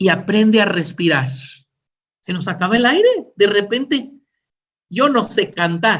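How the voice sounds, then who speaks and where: A man speaks with lively intonation in a northern Mexican accent. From northern Mexico. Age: 60s. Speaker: public speaking instructor. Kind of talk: online lecture. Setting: online class.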